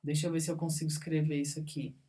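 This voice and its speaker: A woman's voice: deep voice, flat delivery, very fast, warm tone. A woman teaching a grammar lesson, patiently going through examples one word at a time and checking in with her students. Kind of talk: recorded classroom grammar lesson.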